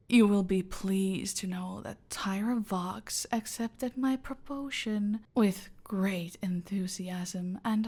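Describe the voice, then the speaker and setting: A domineering female cartel boss, played by a woman, hands out orders in a slow, unhurried drawl that often drops to a whisper. Her voice carries a gravelly edge, and every word is measured and controlling. It sits in an ASMR roleplay. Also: mid-range voice, darkish tone.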